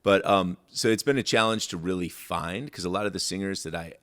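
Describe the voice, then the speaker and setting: A baritone man from Michigan, a songwriter guest chatting casually in an interview, rambling with many fillers and restarts. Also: fairly quick, a bit bright. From Michigan, USA.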